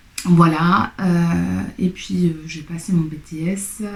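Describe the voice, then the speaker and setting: A woman speaks with a fairly low pitch. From France, Lyon. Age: 30s. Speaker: sewing youtuber. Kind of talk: casual vlog answering tag questions. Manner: hesitant, many fillers.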